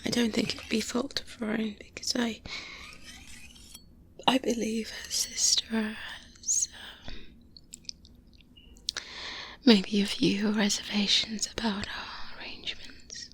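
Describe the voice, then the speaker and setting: Slow whispering vampire hunter mentor played by a woman. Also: on the high side, little pitch movement. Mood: cautious, confiding. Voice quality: soft, breathy whispering. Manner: slow, hesitant, murmured pauses and hums. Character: seasoned vampire hunter mentoring a trainee, calm and cautious. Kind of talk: soft-spoken ASMR roleplay. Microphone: close binaural microphone. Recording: close-up binaural with clear background noise.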